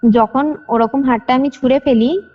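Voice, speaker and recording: A woman's voice: high voice, normal speed. A young woman telling a personal story in detail on a phone call, repeating phrases for emphasis. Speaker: caller sharing a personal ghost experience. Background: faint music.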